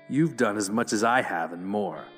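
A man's voice: lowish voice, slightly rough, heavily acted. An actor playing a sullen, grudgingly obedient criminal henchman in an audio drama. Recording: long reverberant space, faint music underneath.

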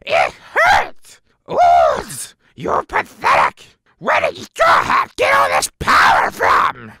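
A man's voice: very high voice, wildly swooping pitch, takes it slowly, vocal fry, sharp tone, raised voice, a little hiss or hum, heavily acted. A man voicing a mocking, menacing giant villain in an anime fandub style. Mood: mocking, agitated.

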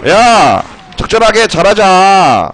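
A man streaming a game live, excitedly shouting orders at his teammates and breaking into mock-grand commands. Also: sits high, slow. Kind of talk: live gameplay commentary. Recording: noisy game audio behind.

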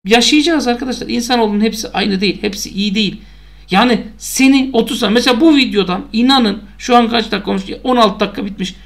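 High-voiced man ranting emphatically. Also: fast, creaky. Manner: emphatic, repeats phrases for emphasis. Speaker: football fan YouTuber. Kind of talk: casual vlog monologue.

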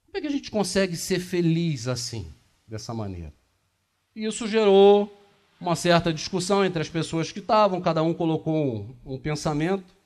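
A man's voice: a little high, expressive, normal speed, darkish tone. A man in his fifties giving a spiritist lecture to a small audience, talking in a conversational way and putting questions to the listeners, recorded by a camera across a small meeting room. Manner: conversational, asks the audience questions, gestures widely.

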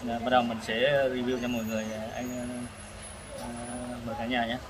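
A man hosts a casual food review from a noisy open-air restaurant. His pitch is average, and he talks haltingly between bites, searching for words and repeating himself. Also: completely flat delivery. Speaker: food vlog host. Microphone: camera across the table. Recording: noisy eatery ambience, traffic.

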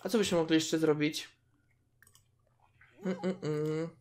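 Over a noisy background, a gaming video host talks at a measured pace in a low voice with fairly even intonation. She casually narrates her play, addresses her characters directly, reacts to events, and lets out squeals at cute moments.

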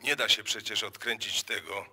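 A man's voice: fairly low pitch, fairly even intonation, normal speed, creaky, pushed and bright, slightly rough, exaggerated voice. An actor playing an easygoing, cautious, plain-spoken male accomplice in a radio play, colloquial and reassuring. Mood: reassuring, casual. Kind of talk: live radio play acting.

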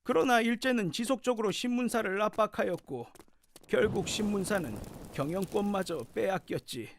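A man's voice: high-pitched, normal speed, slight background noise. An actor playing a scolding, lecturing grandfather over a hundred years old, telling stories in an educational audio drama with old-fashioned speech. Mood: earnest storytelling.

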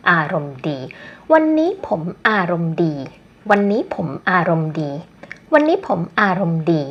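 Woman, Thai accent, language teacher, breathy, quick delivery, patient explaining. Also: fairly high pitch. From Thailand. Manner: explains patiently, repeats Thai phrases slowly for learners. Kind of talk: online language lesson.

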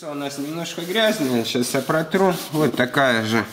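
A man in his thirties, slightly ill, hosts a casual hands-on workshop tutorial in an indoor garage, his fairly high, a bit bright voice moving at a moderate pace with lively intonation. He explains steps with lots of fillers, repeatedly saying "то есть". A handheld camera mic held close recorded him, adding a little hiss or hum.

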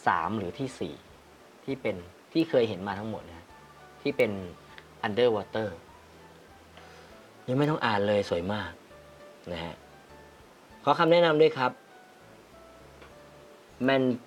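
Man, livestream host, chatty and animated, faint music behind. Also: on the low side, takes it slowly, long pauses. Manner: animated, laughs often, reads viewer comments aloud. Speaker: photography critique livestream host. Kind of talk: casual live chat reviewing viewer photos.

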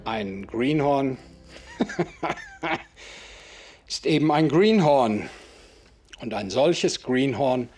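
A man's voice: medium pitch, sing-song, very slow, long pauses, a little mellow, husky, heavily acted. An actor in his sixties playing an aging writer who lectures with dry amusement about his younger self. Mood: amused. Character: aging male writer reminiscing, wry and proud. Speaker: narrator of his memories. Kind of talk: audio drama acting.

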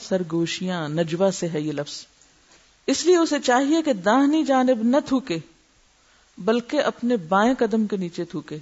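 A woman's voice: medium pitch, sing-song, darkish tone. A woman giving a religious lecture as a teacher, explaining terms and asking her listeners rhetorical questions. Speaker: Islamic teacher. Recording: muffled lo-fi lecture recording.

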